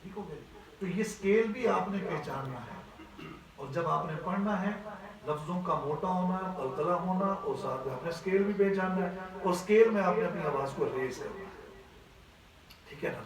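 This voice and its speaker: In a classroom voice lesson on Quran recitation, a man with a slightly high voice breaks things down step by step and frequently makes sure his students are keeping up. The recording is poor, with heavy reverb and a distant mic.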